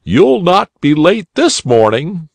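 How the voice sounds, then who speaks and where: A man voicing a jolly, kindly old rabbit gentleman in a storybook reading. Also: on the high side, very animated, takes it slowly, creaky, dry recording, voice pushed up, exaggerated voice.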